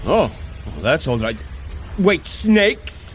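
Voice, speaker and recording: Casting: earnest, hearty thunder god for audio adventure; high, swooping delivery, formal and declaiming, a touch dim. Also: male voice, big pitch swings, slow pace, a little hiss or hum. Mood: puzzled. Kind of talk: dramatised audio adventure for runners.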